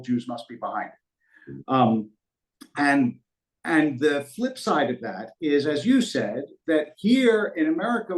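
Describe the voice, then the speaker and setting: A man's voice: a little high, darkish tone. Reflective man in a roomy space. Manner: measured, reflective, tells anecdotes. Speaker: rabbi, guest. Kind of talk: thoughtful interview answers. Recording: roomy echo.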